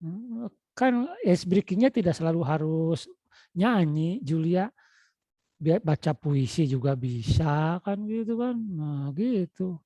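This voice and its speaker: A man's voice: fairly high pitch, animated, slow, dark tone, no echo. A man with a Sundanese-influenced Indonesian accent teaching an online class, coaxing and repeatedly calling out to his students. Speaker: lecturer. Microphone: video call. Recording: dull lo-fi video call audio.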